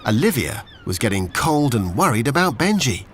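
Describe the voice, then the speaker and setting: British man narrating, lively and animated. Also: medium pitch, normal speed, slight background noise. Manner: expressive, storytelling to young children. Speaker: children's story narrator. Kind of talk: scripted storybook narration.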